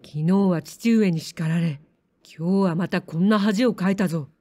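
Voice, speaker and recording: A woman's voice: fairly low pitch, moderate pace, darkish tone, no room sound, lightly acted. A woman voicing an arrogant spoiled young lord who scolds harshly in a samurai-era story. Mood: furious.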